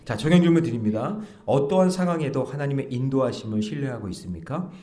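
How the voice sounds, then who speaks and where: A middle-aged male pastor giving an early-morning sermon in a lively, conversational way, acting out bits of dialogue as he preaches in a church. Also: mid-range voice, quick pace. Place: church sanctuary.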